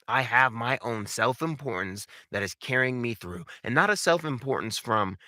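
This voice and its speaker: A man's voice: mid-range voice, pushed and bright, no echo, clean studio sound. A man giving an instructional talk as a voice acting coach, emphatic and theatrical, repeating key words, with informal conversational asides. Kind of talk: instructional talk with numbered tips.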